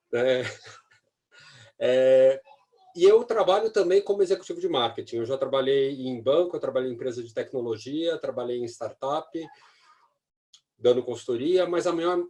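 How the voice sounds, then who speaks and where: A middle-aged man speaking on a video-call panel at a mid pitch. He is animated and personable, with light jokes. His voice sounds like a typical video call. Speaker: panelist, professor and marketing executive. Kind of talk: self-introduction on a webinar panel.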